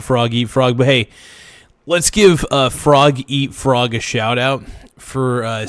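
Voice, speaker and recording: A man hosting a casual livestream reaction, his voice worn hoarse, rambling and loudly thanking donors. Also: medium pitch, dry recording, studio quality. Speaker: livestream host.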